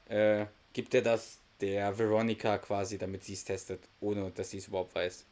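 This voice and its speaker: A man's voice: fairly low pitch, monotone, normal speed, darkish tone. A man hosting a podcast, casually retelling a sitcom episode, often laughing and acting out the characters' lines. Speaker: podcast host.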